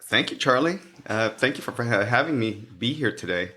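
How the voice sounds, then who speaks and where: Halting man guest from the Philippines. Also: mid-range voice, animated, pushed and bright. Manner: halting, with many restarts and fillers. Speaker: guest, cybersecurity professional. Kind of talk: podcast interview.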